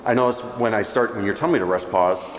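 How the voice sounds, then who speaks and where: Fast-talking man in an echoey gym. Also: lowish voice, faint music behind. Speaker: gym trainee and interviewer. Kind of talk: casual interview chat. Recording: echoey, noisy gym with long reverb.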